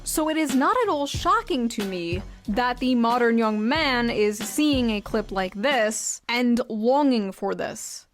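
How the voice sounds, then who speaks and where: Woman doing sardonic sweary video commentary, voice a bit high, quiet music under it. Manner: sardonic, profane.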